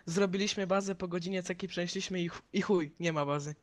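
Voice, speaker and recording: A man's voice: sits high, fairly even intonation, fast talker. A man arguing curtly in a heated voice chat, swearing and brushing others off. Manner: curt, swearing, dismissive.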